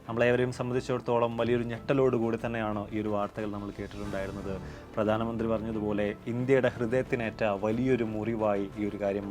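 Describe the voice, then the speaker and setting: A man hosting a video explainer, narrating in an earnest, measured way on a lapel mic, with his sentences sinking softer at the end. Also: medium pitch. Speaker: YouTube explainer host. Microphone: wireless lapel mic.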